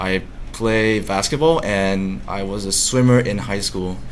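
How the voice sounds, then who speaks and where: There is audible room echo and noticeable background noise as a man speaks at a fairly low pitch. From international schools abroad (Thailand, South Korea, India). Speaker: campus contest contestant. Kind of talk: self-introduction interview. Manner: casual, with many fillers.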